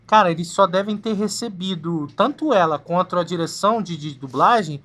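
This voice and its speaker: A woman with a Brazilian Portuguese accent, hosting a talk show in a relaxed, slangy way. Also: on the low side, moderate pace. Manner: laid-back, slangy, uses mild swearing. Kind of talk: casual interview chat.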